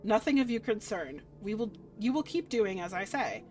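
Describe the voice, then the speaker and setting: A woman's voice: mid-range voice, big pitch swings, moderate pace, a little mellow, lightly acted. Cold, imperious young deity for a fantasy game, read by a woman, curt and aloof, music underneath. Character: cold, commanding, aloof young god of Limbo.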